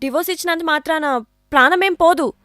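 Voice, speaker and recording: An outspoken young student who speaks her mind. Her voice is high and insistent, with English words mixed in. Light music plays under the scene. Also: fairly quick, a bit bright. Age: young adult. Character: outspoken young college-going sister. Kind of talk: short film acting.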